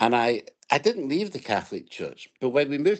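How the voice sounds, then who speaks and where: A man speaks with a Scottish accent at a moderate pace. His pitch swings very widely. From Scotland, Glasgow. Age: 60s. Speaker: interviewee sharing faith journey. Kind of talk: interview testimony.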